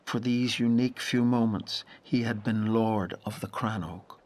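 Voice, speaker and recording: An actor playing a grave, intense narrator in a literary audio drama, measured and full of dramatic pauses. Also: male voice, on the low side, steady tone, darkish tone, lightly acted. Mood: hushed wonder. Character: grave narrator haunted by a wild lake memory.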